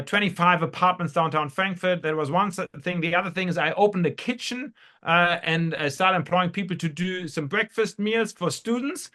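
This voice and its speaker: A bright, higher-pitched male voice belongs to a German entrepreneur who is a guest on a podcast. In a relaxed interview, he tells anecdotal stories, often hesitating, rambling and saying words twice.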